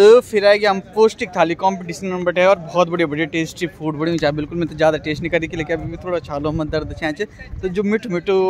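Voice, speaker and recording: With a Garhwali accent, a high-pitched man speaks at a moderate pace with fairly even intonation and hardly any pauses. The sound is dry with no echo, over light background noise. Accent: Uttarakhandi Garhwali tone. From Uttarakhand, Pauri Garhwal; Uttarakhand. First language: Garhwali (speaking Hindi). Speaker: regional-language vlogger. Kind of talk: travel vlog in Hindi and Garhwali. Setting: university campus event. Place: street. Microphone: phone near.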